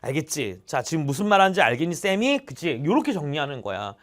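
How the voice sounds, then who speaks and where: Animated, high-pitched male tutor. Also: fast talker. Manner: chatty, checks in with students constantly; animated, exclaims mid-explanation. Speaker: biology tutor. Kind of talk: online exam-prep lecture.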